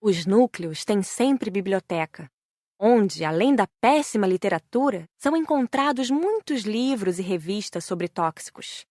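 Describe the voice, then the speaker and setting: A woman's voice: mid-range voice, lively intonation, a little slow, darkish tone, dry recording. Woman narrating an audiobook, dry sound. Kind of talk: scripted first-person narration.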